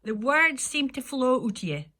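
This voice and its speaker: A woman's voice: high-pitched, big pitch swings, moderate pace, bright, forceful tone. A woman from north-east Scotland with a Doric accent, interviewing informally in a chatty, encouraging way, often repeating and affirming. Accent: north-east Scottish Doric.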